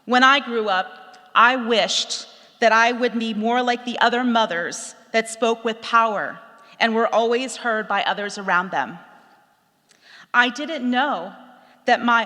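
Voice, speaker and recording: Woman, middle-aged, bright tone, long hall reverb, measured reflective storytelling. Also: a little high. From Texas, USA. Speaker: speaker telling a personal story. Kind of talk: reading a personal essay aloud.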